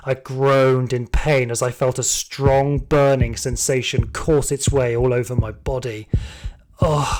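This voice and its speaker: A man's voice: on the high side, fairly bright tone, a little hiss or hum, poor audio. A man playing a terrified security guard, narrating his ordeal urgently and theatrically in an audio drama. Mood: panicked, pained.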